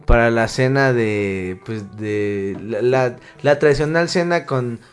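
A man's voice: medium pitch, slow pace, clear, resonant tone. A man with a Mexican accent hosting a casual chat, rambling in slang and interrupting himself. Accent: Mexican Spanish.

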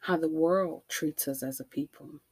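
A woman with an African American accent delivering an impassioned monologue, emphatic and deliberate, with rhetorical questions and repetition. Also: deep voice, husky, no room sound. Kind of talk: impassioned spoken monologue to listeners.

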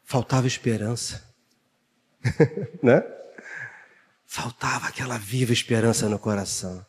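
A man preaching a fervent sermon, swinging from shouts to hushed tones. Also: mid-range voice, measured pace. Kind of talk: lively sermon. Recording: long reverb of a church hall.

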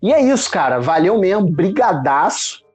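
A man's voice: high-pitched, very animated, normal speed, darkish tone. A man from Rio de Janeiro with a Carioca accent, talking casually as a podcast guest in informal Rio street slang, recorded on a phone. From Rio de Janeiro, Brazil. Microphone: mobile phone. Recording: muffled phone recording with music behind. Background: music.

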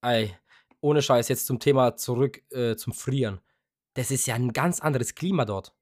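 A young co-host on a podcast chats casually, telling a lengthy story loaded with fillers and tossed-off swearing. His medium-pitched, darkish voice moves at normal speed, captured in studio quality with no room sound.

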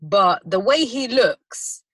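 A speaker with a London accent, debating casually as a co-host in slangy talk. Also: female voice, medium pitch, animated, slow pace, a bit bright, dry recording. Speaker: podcast co-host.

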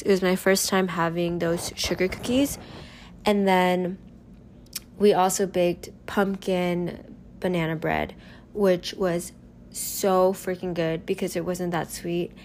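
A young woman hosting a casual solo podcast, chatting in an upbeat, rambling way while still getting over a cold. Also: fairly low pitch. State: recovering from a cold. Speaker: podcast host.

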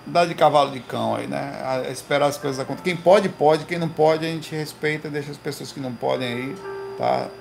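A man hosting a casual livestream from his home, telling slangy, animated stories to his viewers. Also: fairly high pitch, a little fast, creaky, music in the background. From Recife, Brazil. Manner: slangy, animated storytelling with lots of "velho" and "cara". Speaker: livestream host. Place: home room.

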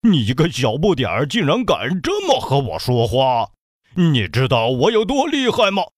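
A man's voice: medium pitch, huge pitch swings, moderate pace, no room sound. A big black bear that brags and blusters, thick-headed and proud of his strength, put on by a male storyteller. The voice swings widely up and down, and the sound is dry and close with no room around it. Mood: boastful. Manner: bragging, blustery.

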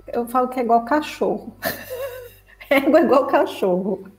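A woman from Brazil, giving a spiritual talk to her viewers as a teacher and therapist, lively and expressive, acting out the inner voice of the mind. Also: sits high, measured pace, soft background music, rough recording.

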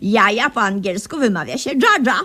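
Husky high chatterbox auntie, stammery and jokey, voice jumps all over, music loud behind. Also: female voice, big pitch swings, moderate pace, full character voice. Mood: teasing. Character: chatty meddling older aunt, breezy and jokey. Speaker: the aunt. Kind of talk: comic radio play acting.

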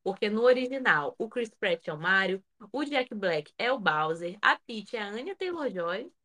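A woman co-hosting a podcast, chatting in an animated way full of little filler tags. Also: mid-range voice, normal speed. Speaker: podcast co-host. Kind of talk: casual podcast chat.

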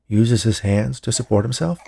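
A man voicing a puzzled, blunt family doctor in an audiobook, explaining in a measured, emphatic way. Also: on the low side, gravelly, warm tone, voice pushed up. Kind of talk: audiobook character dialogue.

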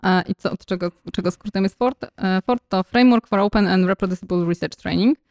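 A young woman with a brisk, slightly mellow mid-range voice co-hosts a podcast in casual conversation. She explains things at length, hesitating frequently and using lots of fillers.

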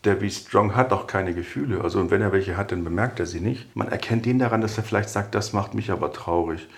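A man talking through personality types in a relaxed, conversational podcast style, adding anecdotes about former colleagues. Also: fairly low pitch, quick pace. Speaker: podcast expert on personality development. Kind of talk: conversational explanation.

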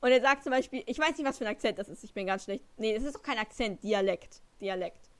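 A woman's voice: a little high, fast talker. A teenage girl co-hosting a podcast, chatting casually and hesitantly, often correcting herself. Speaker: podcast co-host. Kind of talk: casual chat.

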